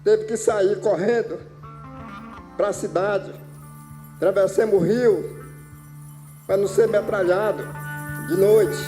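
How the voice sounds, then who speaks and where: A Brazilian man giving personal testimony as a witness, in simple halting phrases. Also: high voice, fairly even intonation, over music.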